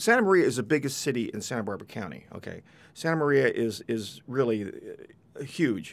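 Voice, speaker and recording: Using a normal speaking voice, a man talks at a fairly quick pace and medium pitch, with lively intonation and big swings in loudness. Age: 60s. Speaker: former radio newsman and PR professional. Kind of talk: casual interview. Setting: studio.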